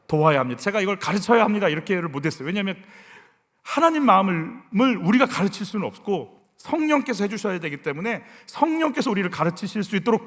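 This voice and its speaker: A middle-aged man preaching a sermon as senior pastor, acting out voices and sighs and moving between loud and hushed delivery. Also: high voice, long reverb tail. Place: church sanctuary.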